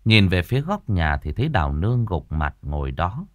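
Male narrator for a dramatic storybook, lively rise and fall, dry close mic. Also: deep voice, moderate pace, no echo. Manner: expressive, rising and falling storyteller delivery.

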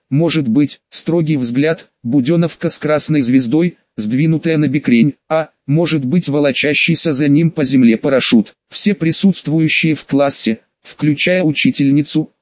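A man's voice: a little high, no room sound. Man narrating an audiobook, dry and muffled. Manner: wry, conversational storytelling. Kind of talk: first-person audiobook narration. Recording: dull, dry lo-fi recording.

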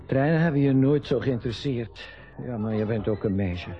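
A man's voice: mid-range voice, moderate pace, lightly acted. Actor as hesitant ageing father, dull recording. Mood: mild, absent-minded. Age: 60s. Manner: hesitant, vague, short answers. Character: forgetful, hesitant retiring father, fond of trains. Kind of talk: naturalistic radio drama acting. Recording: dull lo-fi radio recording with music.

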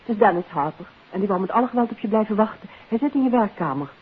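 A woman acting a calm, affectionate detective's wife in a 1950s radio drama, gentle and matter-of-fact. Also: mid-range voice, fast talker, slightly rough. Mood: calm, confiding. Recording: hissy, narrow-band 1950s radio recording.

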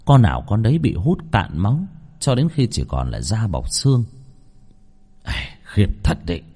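A man narrating a ghost story with a dramatic, lively reading. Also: fairly low pitch, brisk, breathy edge.

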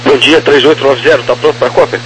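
A man working as an air traffic controller, reading out procedural clearances over two-way radio. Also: medium pitch, steady tone, fast, music in the background. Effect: two-way radio transmission. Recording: noisy humming two-way radio.

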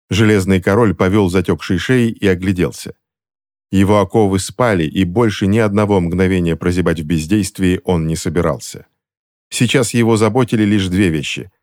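A male narrator reading a fantasy novel aloud with a steady, dramatic delivery. His voice sits on the low side for a man. The reading is measured and even. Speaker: audiobook narrator. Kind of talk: scripted audiobook narration.

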